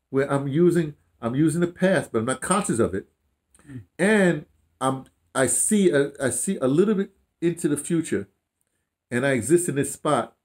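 Older American man, rambling storyteller. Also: on the high side. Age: 60s or older. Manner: animated, rambling, emphatic, with false starts and repeated phrases. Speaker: audio dramatist being interviewed. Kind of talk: casual reflective interview talk, storytelling. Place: small room at home, indoors.

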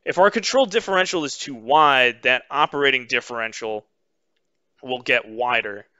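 A man teaching a webinar lesson over slides, explaining in a measured way with frequent "um" fillers. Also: mid-range voice, bright, forceful tone, clear, resonant tone, no room sound, muffled recording. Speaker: instructor.

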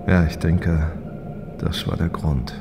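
An actor playing an easygoing, dutiful test pilot and older brother in an audio drama, casual and thoughtful. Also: male voice, a bass voice, fairly even intonation, takes it slowly, very noisy, full character voice. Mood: reflective.

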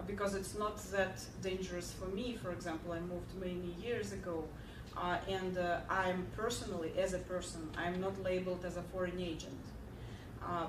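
A woman, giving a keynote lecture from a podium and answering audience questions. She speaks earnestly, with many fillers and restarts. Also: on the low side. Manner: earnest, many fillers and restarts, animated when telling a joke. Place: large lecture hall, at a podium. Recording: echoey hall, heard from far off, clear background hum.

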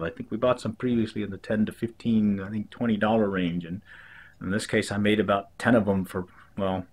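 A middle-aged man with an American accent, hosting a fishing video in a casual, easygoing, conversational way from a home office. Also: lowish voice. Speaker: host of a fishing video channel. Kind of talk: casual recap of fishing tips to camera. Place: small indoor home office.

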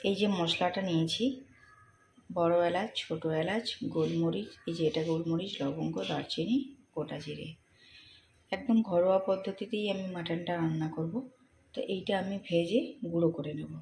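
A woman, speaking softly as she explains a home cooking vlog step by step. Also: fairly low pitch, moderate pace, gravelly, a little hiss or hum, low-quality recording. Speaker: cooking vlogger. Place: home kitchen.

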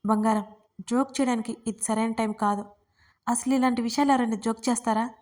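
A woman's voice: on the high side, steady tone, a little fast, darkish tone, lightly acted. A woman voicing a young man, an insistent and shaken fiancé, in a storybook reading. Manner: pleading then insistent, raising his voice.

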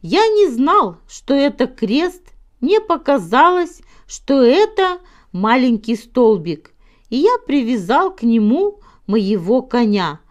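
A woman's voice: high-pitched, big pitch swings, slow pace, full character voice. A woman voicing a proud old baron who tells tall tales in an earnest, self-important storybook manner. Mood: amazed, boastful.

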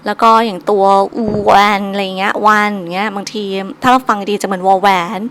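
A woman's voice: mid-range voice, steady tone, brisk, fairly bright tone, a little hiss or hum. Patient woman teacher drilling syllables. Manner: patient, drills syllables by repeating each three times. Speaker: Chinese language teacher. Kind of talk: recorded online lesson, solo.

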